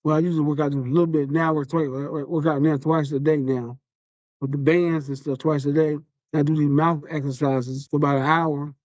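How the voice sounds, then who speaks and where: A man's voice: fairly high pitch, level tone, a little fast, darkish tone, dry recording, dull audio. A man hosting a podcast and giving an earnest, repetitive motivational talk. His speech is slurred from a facial palsy. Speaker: podcast host. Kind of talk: motivational monologue.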